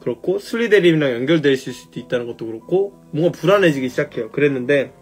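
A man's voice: a little high, lively intonation, fast talker, darkish tone, faint music behind. A man casually retelling a story on a phone live stream, loose and chatty, swearing now and then.

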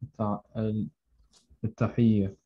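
Halting man on phone-like line. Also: lowish voice, level tone. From Somalia. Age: 20s. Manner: hesitant, halting learner speech. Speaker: beginner Arabic student. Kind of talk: halting answers in a language lesson. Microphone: remote video call. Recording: thin phone-like online call line.

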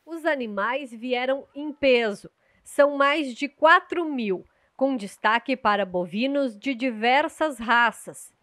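A young adult woman reporting the news from outdoors at an agricultural fair, speaking into a handheld mic in a measured, scripted way. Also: on the high side, fairly bright tone, dry recording, clean studio sound. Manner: measured, clear reporting delivery.

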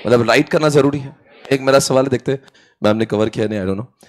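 A man's voice: medium pitch, fast talker. A young man teaching law in a classroom lecture, playful and acting out quoted exchanges, mixing into his Hindi.

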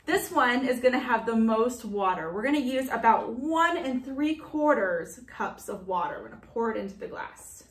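A woman's voice: a little high, expressive, normal speed, hardly any pauses. A middle-aged woman teaching a child to count, giving a hands-on demonstration with simple questions and step-by-step explanations. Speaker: presenter of a children's science activity. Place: indoor set with a printed backdrop, at a table. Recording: echoey room.

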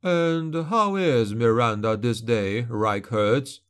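A man voicing an arrogant young nobleman bully in an audiobook, snarling and mocking with a slight drawn-out lisp. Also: mid-range voice, lightly acted.

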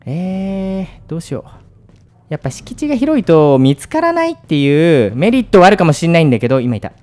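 Man, horror game commentary, widely swinging pitch, jumpy, muttered asides. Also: brisk. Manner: jumpy, startled outbursts between calm muttering. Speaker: gaming video host.

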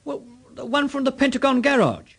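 An actor playing an excitable, eager household servant in a radio drama, with a British accent. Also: male voice, extremely high pitch, fairly quick, gravelly, crowd noise, full character voice. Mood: flustered.

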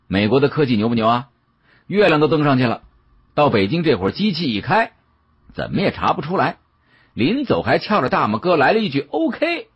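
A man's voice: mid-range voice, husky, lo-fi sound, pitched above the performer's own voice, heavily acted. A man voicing a mouthy, needling joker from with chatty, teasing patter in an audiobook.

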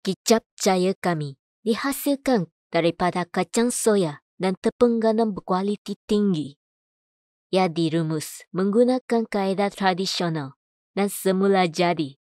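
A woman reading scripted voice-over in a measured, clearly enunciated way. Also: medium pitch, a little mellow, dry recording, studio quality. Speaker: voice-over artist. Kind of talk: scripted voice-over demo: adverts, narration, announcements.

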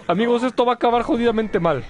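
A man's voice: extremely high pitch, rapid-fire, a little mellow. A man commenting live on his gameplay, chatting with viewers and yelping at mishaps. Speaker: gaming streamer.

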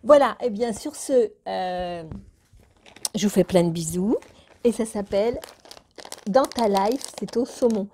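A woman's voice: a little high, dark tone, slight background noise. A woman vlogger chatting casually to her viewers in a rambling way, now and then talking to her cat. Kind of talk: casual chat to camera.

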